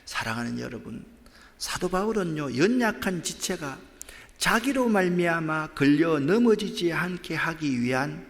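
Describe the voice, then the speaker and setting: A middle-aged man who is a pastor, giving an emphatic sermon that swings between loud stresses and near-whispers. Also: fairly high pitch, animated, unhurried. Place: church sanctuary. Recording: long church reverb.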